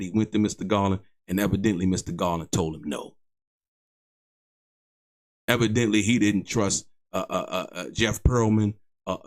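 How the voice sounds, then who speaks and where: A man hosting an online show, giving emphatic, indignant commentary in a halting, repetitive way, often repeating words as he argues his point. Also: fairly low pitch. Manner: indignant, disputing. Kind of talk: opinionated commentary to viewers.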